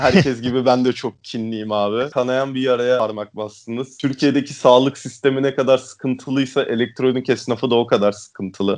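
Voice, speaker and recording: A man's ordinary speaking voice, medium in pitch, at a moderate pace with fairly even intonation and hardly any pauses, over a quiet background. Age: 20s. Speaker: mechanical design engineer, listener guest. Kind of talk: casual chat.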